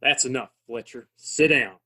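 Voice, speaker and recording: A gruff frontier saloon owner, acted by a man, with a husky, mid-pitched voice. He is stubborn and blunt in this Western radio-style play. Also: normal speed, pushed and bright. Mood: stern. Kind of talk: audio play Western acting.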